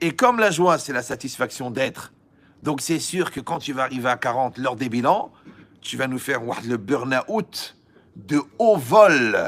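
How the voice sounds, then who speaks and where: A man with a medium-pitched voice speaks at a fairly slow pace, animated in tone and lively in intonation. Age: 60s. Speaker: rabbi. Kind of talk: sermon.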